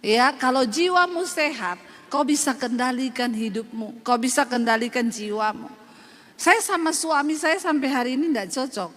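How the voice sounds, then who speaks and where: A woman pastor from Sulawesi with a Sulawesi Indonesian accent, preaching a lively, humorous sermon straight to her congregation. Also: high-pitched, moderate pace. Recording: long hall reverb, faint noise.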